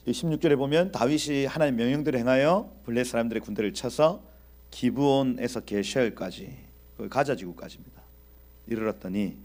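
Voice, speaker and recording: Animated husky male Bible preacher. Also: mid-range voice. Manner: animated, acts out quoted dialogue; addresses audience directly. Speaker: Bible teacher. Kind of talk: Bible exposition sermon.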